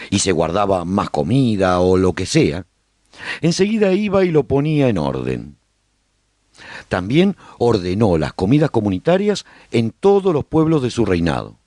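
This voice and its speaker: A man playing a survivor who calmly narrates life in a post-apocalyptic colony for a radio drama, reflective and husky, with pauses. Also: on the low side, no echo, clean studio sound. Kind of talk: scripted first-person radio drama narration.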